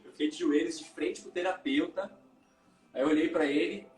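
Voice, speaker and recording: A man, a tantra and yoga teacher, telling his personal story as a guest in a live interview, candid and halting, often repeating words. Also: fairly high pitch, darkish tone, echoey room, soft background music.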